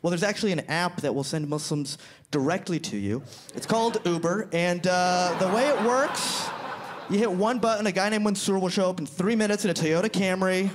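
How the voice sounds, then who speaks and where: A young man from Florida doing a stand-up set on a club stage into a handheld mic, animated and quick with his punchlines, slipping into other people's voices. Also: high-pitched, crowd noise. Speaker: stand-up comedian. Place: comedy club stage before a live audience.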